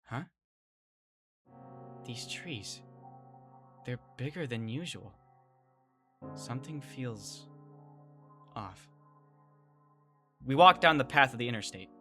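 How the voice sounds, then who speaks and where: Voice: medium pitch, animated, slow, long pauses, pushed and bright, soft background music. A performer playing an anxious, wry young survivor woman, narrating and speaking in a first-person audio drama. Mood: tense, wry.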